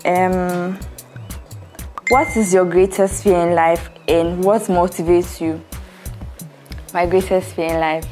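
Faint music plays behind a woman with a fairly low pitch and fairly even intonation. She speaks at a very slow pace, with long, frequent pauses. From Ghana. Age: 20s. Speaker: actress. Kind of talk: casual Q&A answers to camera. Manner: soft-spoken. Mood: relaxed, often smiling. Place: studio. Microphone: lapel.

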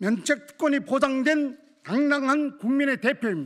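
A man with an extremely high pitch and ordinary pitch variation, over a quiet background. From North Korea. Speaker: activist. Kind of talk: prepared statement. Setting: press conference room. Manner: formal. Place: hall. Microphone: podium.

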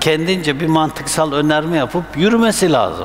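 A man talks in a fairly high pitch with a plain, everyday voice. Light background noise sits behind him. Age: 50s. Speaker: Sufi sheikh and religious teacher; religious teacher answering questions. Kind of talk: Q&A talk on religion. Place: hall. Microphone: handheld.

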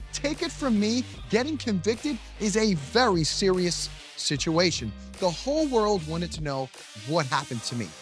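Clear music plays in the background as a man with an American accent speaks in an upbeat tone at a moderate pace, the sound dry with no echo. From New Jersey. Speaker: TV host. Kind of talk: TV show trailer host read. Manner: casual, upbeat. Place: studio. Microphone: lapel.

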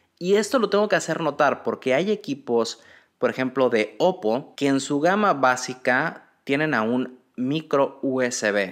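An unremarkable speaking voice with lively intonation goes at a fairly slow pace against a quiet background. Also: man, fairly high pitch for a man. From Mexico, Acapulco (Guerrero); Guerrero, Mexico. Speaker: tech YouTuber. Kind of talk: product review. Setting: on location while traveling, not usual studio. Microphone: handheld.

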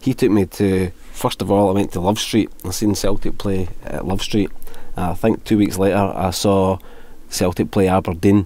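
In a Scottish central belt accent, the speaker uses a dark, mellow tone, fairly even intonation and a moderate pace. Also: man, very deep, low pitch for a man, very clean recording, silent background. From Scotland, West Lothian. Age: 40s. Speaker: football fan and social media activist. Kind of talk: interview.

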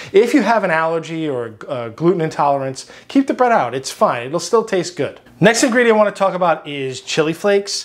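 A man's high-pitched voice at a very fast pace. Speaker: home cook host. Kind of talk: cooking tutorial. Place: kitchen.

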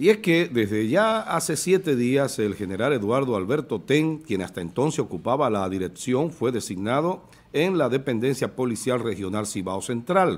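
A medium-pitched man with a Dominican accent at a moderate pace, his pitch swinging very widely. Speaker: TV news show moderator. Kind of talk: panel discussion on news. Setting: studio.

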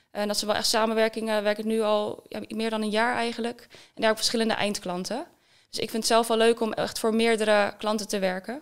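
Against a quiet background, a woman with a fairly high pitch talks at a very fast pace in a monotone, flat intonation. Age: 20s. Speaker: freelance SEO specialist; interview guest. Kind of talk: interview. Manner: halting. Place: studio. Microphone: studio mic.

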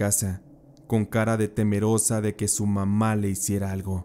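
In a Mexican accent, a man speaks with a fairly low pitch. His tone is dark and mellow. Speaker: horror story narrator. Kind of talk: scripted horror story narration, retelling family legend. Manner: slow, hushed, eerie storytelling with suspenseful pacing.

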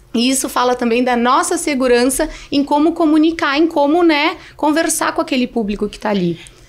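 Speaking fairly quickly with hardly any pauses, a woman uses a high pitch with ordinary variation. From Rio Grande do Sul, Brazil (Bagé); Rio Grande do Sul, Brazil. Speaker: fashion business owner; podcast guest. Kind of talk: interview; interview answer. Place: studio. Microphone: studio mic.

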